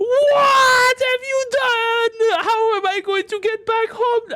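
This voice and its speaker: A shrill, extremely high put-on character voice shouts at a very slow pace. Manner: panicked, complaining.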